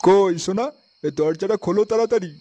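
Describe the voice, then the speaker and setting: A man's voice: high-pitched, fairly quick, dark tone, a little hiss or hum, natural voice. A man playing a suspicious, hot-tempered husband in a comic cartoon, coarse and accusing in manner. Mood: impatient. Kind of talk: exaggerated comic cartoon dialogue.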